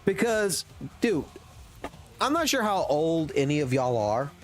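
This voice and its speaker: A man's voice: a little high, sing-song, unhurried, faint music behind. A man in his thirties ranting profanely and emphatically on a casual gaming livestream, talking into a desk mic at a home streaming setup. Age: 30s.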